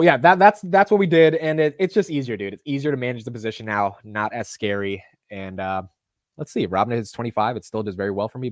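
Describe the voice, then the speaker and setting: A young man with a deep voice hosting a live market stream in casual, animated chat. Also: no echo, studio quality. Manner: animated, says "dude" and "like" a lot.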